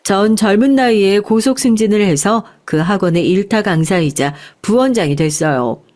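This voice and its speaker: A woman narrating a first-person life story in a calm, confiding way. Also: mid-range voice.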